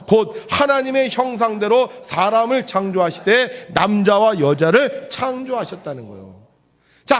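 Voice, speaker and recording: A male pastor preaching a Sunday sermon in a church. His voice sits high and moves a lot in pitch. He keeps asking the congregation questions and answering them himself, with loud emphasis that drops into quiet, low asides. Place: church sanctuary.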